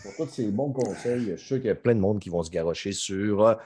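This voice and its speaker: A man with a Québécois French accent and a husky voice, hosting a podcast in an informal, joking, chatty way. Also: fairly low pitch, expressive, brisk, warm tone. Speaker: podcast host. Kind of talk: casual chat.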